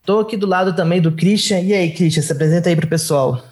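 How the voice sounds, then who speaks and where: A man hosting a software podcast, asking questions with playful asides. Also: high-pitched, fast. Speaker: podcast host.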